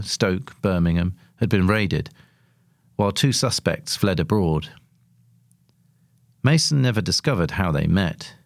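A man's voice: deep voice, vocal fry, dry recording, studio quality. A man reading a scripted long-form article as narrator.

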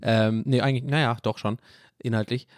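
A man's voice: medium pitch, steady tone, brisk, no echo, studio quality. A man hosting a casual solo podcast from a hotel room, recording into his phone and rambling through tangents while poking fun at himself. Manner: rambling, self-mocking, jumps between tangents. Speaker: podcast host. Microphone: phone microphone.

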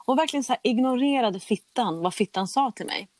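A woman's voice: on the high side, animated, darkish tone, no echo. A young adult woman tells a personal story in a candid, chatty way and acts out the conversations she recounts. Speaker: guest telling her story.

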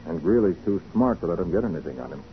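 An actor playing an easygoing, shrewd detective, conversational and wry, in a 1940s radio crime drama. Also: male voice, sits low, lively intonation, fast. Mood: concerned, decided. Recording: tinny, noisy 1940s radio recording.

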